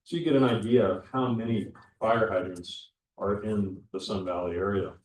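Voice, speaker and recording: Low-voiced man presenting in an echoey hall. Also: steady tone, normal speed. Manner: explanatory, methodical, with frequent restarts. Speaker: county public works official presenting. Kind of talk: public meeting presentation. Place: community meeting room. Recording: echoey room, voice from far off the mic.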